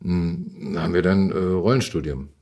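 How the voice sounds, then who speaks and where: Low, husky middle-aged man, reflective. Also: moderate pace, darkish tone. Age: 50s. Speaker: actor and podcast guest. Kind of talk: casual interview storytelling.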